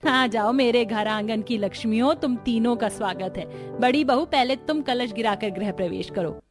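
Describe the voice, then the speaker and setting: A woman's voice: a little high, moderate pace, music in the background, close to an everyday voice. A woman doing a stern mother-in-law. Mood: determined. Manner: firm and dignified. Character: stern traditional middle-aged mother-in-law.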